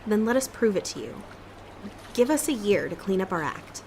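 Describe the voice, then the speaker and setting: Casting: actress as determined young woman, mid-pitched, earnest and persuasive, slight ambient noise. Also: very animated, normal speed, a little mellow, rough recording. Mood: earnest, pleading. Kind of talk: audio drama acting.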